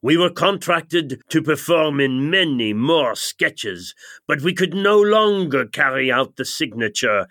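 A man's voice: fairly high pitch, expressive, unhurried, sharp tone. A man playing a pompous, disdainful European intellectual who narrates a comic retrospective in scornful, wordy style. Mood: lofty disdain. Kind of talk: scripted mock-retrospective narration.

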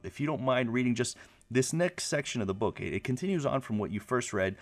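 A man hosting an interview, asking loose, rambling questions full of fillers. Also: on the low side. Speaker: interview host. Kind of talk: casual interview chat.

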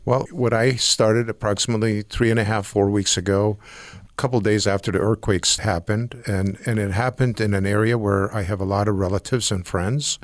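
An earnest man in his sixties who grew up in Turkey talks as a guest on a radio interview. He rambles a bit and restarts his sentences. His voice sits fairly low and sounds dry and close. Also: steady tone, moderate pace, dry recording. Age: 60s. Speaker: guest, Rotary Club president.

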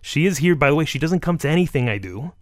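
A man's voice: on the high side, animated, fast talker, no room sound, studio quality. A man with a Miami Cuban-American accent, a comedian chatting casually and slangily as an interview guest. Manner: joking, slangy, says dude and bro. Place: radio studio. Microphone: close studio microphone.

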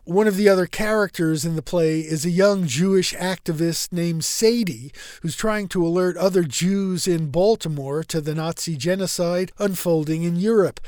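A man reading a scripted radio news story in a measured, even reporting voice. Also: sits high, no echo, studio quality.

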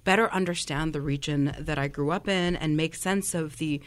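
Low-voiced woman from Kuwait, thoughtful. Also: normal speed. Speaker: history professor. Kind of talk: radio interview.

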